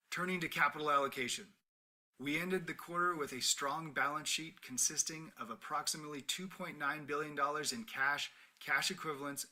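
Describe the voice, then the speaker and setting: A male finance executive on an earnings call. His voice is very bright and forceful, pitched a little high. He delivers financial remarks in a businesslike corporate format. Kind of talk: prepared financial remarks and analyst answers.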